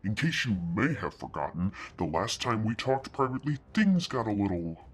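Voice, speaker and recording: A man reading a story aloud and voicing a smug, cruel male devil who mocks and threatens in a husky, sneering drawl. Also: mid-range voice, big pitch swings, moderate pace, faint music behind. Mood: menacing. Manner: mocking drawl that turns to quiet threats.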